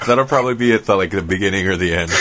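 A man's voice: sits low, very noisy. A man hosting a radio interview in a casual, informal, laid-back way. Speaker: radio show host.

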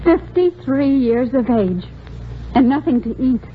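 A spirited young shop clerk, earnest and pleading; thin lo-fi sound with noise. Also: female voice, high voice, expressive, measured pace. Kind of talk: 1940s radio acting. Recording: tinny noisy old radio broadcast.

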